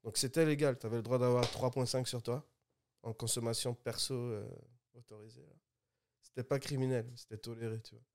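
A man in his twenties from Guadeloupe with a Guadeloupean accent, a music producer talking as a guest in a relaxed, easygoing way. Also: mid-range voice, a little fast. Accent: Guadeloupean French. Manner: relaxed, laid-back, mixes English slang. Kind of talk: casual podcast chat.

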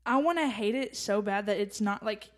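A young woman co-hosting a casual Christian podcast chat, excitable and quick to laugh, with plenty of fillers. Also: mid-range voice. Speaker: podcast co-host.

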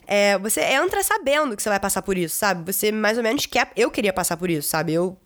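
A young woman from Brazil chats to the camera about her own stories. She talks loosely, with lots of fillers, and swears casually now and then. Her pitch sits in the middle range. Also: animated, fast talker, a bit bright. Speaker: vlogger. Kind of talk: casual storytelling.

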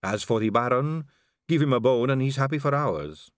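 A man playing a calm, sly vampire lady. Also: medium pitch, normal speed, dry recording, studio quality, voice pushed up, natural voice. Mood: cool, sly. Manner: cool, drawling, amused and poised. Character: calm, elegant, sly female vampire noblewoman. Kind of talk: audiobook character reading.

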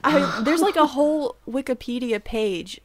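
A woman's voice: high-pitched, expressive, measured pace, no echo. A woman in her thirties co-hosting a podcast in casual chat, laughing often and swearing freely, her voice a little sleepy. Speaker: podcast co-host.

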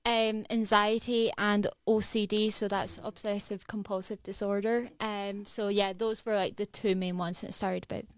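Scottish woman, 20s, radio guest, chatty and casual, clear resonant tone. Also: mid-range voice, level tone, moderate pace, hardly any pauses, no room sound. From Edinburgh, Scotland. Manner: chatty, many fillers like "like" and "um". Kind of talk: casual interview testimony. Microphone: studio microphone.

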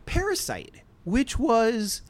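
An interviewer host in casual chat, chatty and enthusiastic in manner. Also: slow pace. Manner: chatty, lively intonation with big pitch swings.

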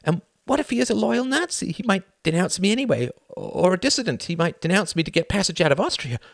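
A man voicing a wary hero quietly reasoning through a dangerous choice. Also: high voice, big pitch swings, quick pace, vocal fry, no echo, clean studio sound, voice pushed up, heavily acted. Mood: anxious reasoning. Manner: quiet, anxious inner reasoning.

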